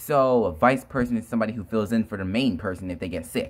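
At a moderate pace, a man is speaking. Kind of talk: character role-play dialogue. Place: home room. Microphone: phone near.

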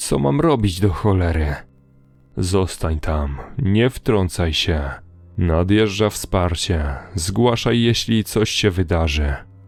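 A man speaks very slowly at a very deep, low pitch, in a dramatic tone with lively intonation. His loudness stays very even. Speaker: horror story narrator. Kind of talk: scripted horror story narration, first-person creepypasta of a park ranger, read aloud. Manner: tense, hushed suspense, building dread with dramatic pauses.

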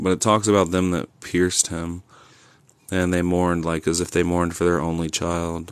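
A man's very deep, low voice, monotone and flat, against a quiet background. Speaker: YouTube live streamer preaching. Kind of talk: live stream monologue, preaching-style teaching. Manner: fast talker; earnest, insistent.

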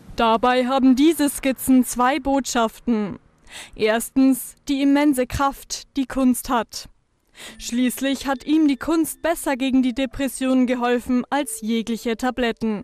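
With a dry, close sound and no echo, a woman speaks at a very slow pace in a high pitch with fairly even intonation. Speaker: TV reporter. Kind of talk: TV news report narration.

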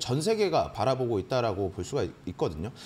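A man talks with very wide pitch swings. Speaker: stock market expert. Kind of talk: market commentary. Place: studio.

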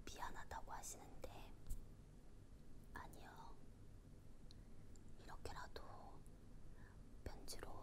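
Loud background noise behind a woman speaking at a very slow pace, with long, frequent pauses. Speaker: K-pop idol, member of a girl group. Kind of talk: ASMR whispered talk to camera. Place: home room. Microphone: lapel.

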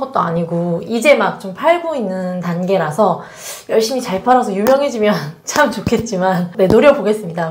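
A woman at a moderate pace, her pitch swinging very widely. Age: 20s. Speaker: online seller. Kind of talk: interview. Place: office. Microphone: lapel.

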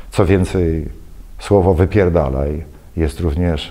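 Fairly slow delivery with ordinary pitch variation. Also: man. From Poland. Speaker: political commentator. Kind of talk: spoken commentary monologue. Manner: measured, with hesitations. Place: studio.

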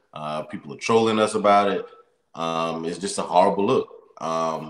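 Here a man speaks with very deep, low pitch. Audible room echo surrounds his voice. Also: quiet background. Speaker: sports podcast co-host. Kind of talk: casual chat. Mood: frustrated, disappointed. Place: home room. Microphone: video call.

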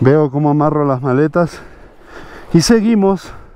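The recording is dry and echo-free. A man talks with ordinary pitch movement. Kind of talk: casual vlog chat. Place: open country. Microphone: helmet.

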